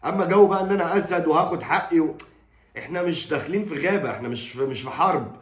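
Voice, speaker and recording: A man's voice: on the high side, quick pace, echoey room. A middle-aged Egyptian man giving an exasperated, scolding football opinion monologue. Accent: Egyptian Arabic. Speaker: football commentator.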